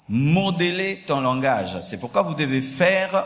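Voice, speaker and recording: A man talking at a fairly slow pace, with audible room echo. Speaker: pastor. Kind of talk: sermon. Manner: animated.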